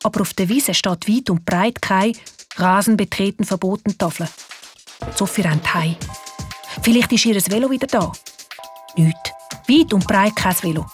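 A woman with a Swiss German accent narrating a children's radio play in a lively, expressive way. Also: mid-range voice, moderate pace, pauses often, faint music behind. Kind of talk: storytelling narration.

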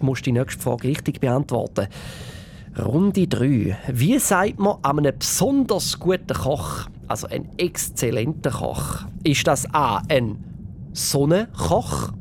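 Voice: medium pitch, very animated, a little slow, a little mellow, a little hiss or hum. Upbeat Swiss German quiz host. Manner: upbeat, encouraging, playful. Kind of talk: children's radio quiz.

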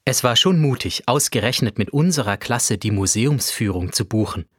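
A man narrates a children's story aloud in first person. His delivery is animated, with a lively, swinging pitch. The recording is dry and close to the mic. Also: normal speed, dry recording.

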